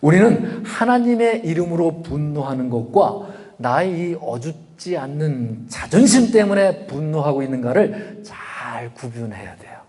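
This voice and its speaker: Man, pastor, middle-aged, sermon, conversational, rhetorical questions, slightly high voice, long church-hall reverb. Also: big pitch swings, measured pace, mellow. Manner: conversational preaching with rhetorical questions and acted quotes. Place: church sanctuary.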